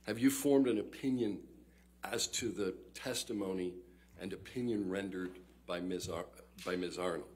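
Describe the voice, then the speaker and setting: Guy lawyer w a fairly low voice asking witness questions, formal n steady, courtroom recording. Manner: measured, formal, deliberate. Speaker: trial attorney.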